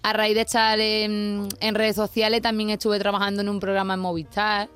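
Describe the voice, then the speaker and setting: A woman's voice: medium pitch, completely flat delivery, moderate pace, fairly bright tone, clear, resonant tone, soft background music. Chatty Andalusian woman on the radio. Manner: spontaneous, chatty, laughs easily. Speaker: guest, makeup influencer. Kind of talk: radio interview.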